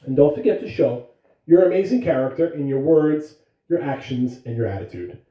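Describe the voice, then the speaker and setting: A woman giving school morning announcements and reading a picture book aloud to young listeners, in a gentle storytelling way. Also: deep voice, very animated, moderate pace, echoey room, distant mic, poor audio. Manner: gentle storytelling, coaxing a child to look.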